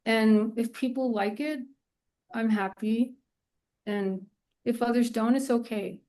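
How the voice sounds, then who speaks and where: A woman's voice: on the high side, steady tone, takes it slowly, dark tone. A woman speaking as a podcast guest in a casual interview, in loose, informal phrases dotted with "you know". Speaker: podcast guest, illustrator and art professor.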